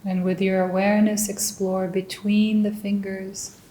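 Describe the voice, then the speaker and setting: Guiding a meditation, a woman uses a relaxed, mellow voice in the mid range. Her short, deliberate phrases come very slowly and gently with long silences between them, in a roomy space where her words echo.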